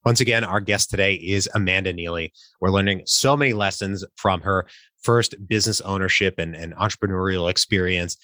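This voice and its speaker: A man's voice: sits low, a little fast, pushed and bright, dry recording. A man hosting a podcast, reading an upbeat intro with a slightly congested, nasal voice. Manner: upbeat, salesy call-to-action delivery. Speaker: podcast host.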